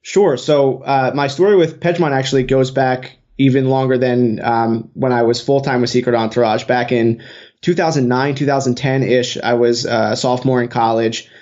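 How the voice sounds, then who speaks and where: A man's voice: mid-range voice, fairly even intonation, normal speed, darkish tone. Interview guest, late-20s man, earnest storyteller, muffled lo-fi audio. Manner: earnest, fluent with some "you know" fillers. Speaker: guest, social media marketer. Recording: dull lo-fi sound.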